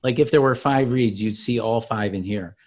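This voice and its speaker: A man founder demonstrating his software tool step by step in an easygoing, explanatory way. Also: mid-range voice. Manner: relaxed, explanatory, slows to show steps. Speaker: software founder giving a demo. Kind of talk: walkthrough of an online tool.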